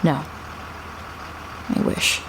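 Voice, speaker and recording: A woman's voice: extremely slow, noisy background. An actress playing a wary small-town woman, narrating an audio drama in the first person in a subdued, matter-of-fact way. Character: wary local woman back in her declining hometown.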